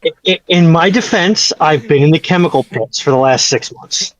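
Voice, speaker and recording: A man chatting casually as a livestream guest, pausing between phrases, heard on dull, close call audio. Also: a little high. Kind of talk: casual chat.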